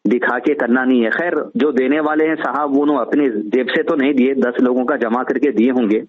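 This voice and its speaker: A man's voice: medium pitch, steady tone, brisk. A man with a Hyderabadi accent talking casually and giving his opinions on a phone call, explaining his points in repeated lists. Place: on a phone line. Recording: tinny narrowband phone call recording.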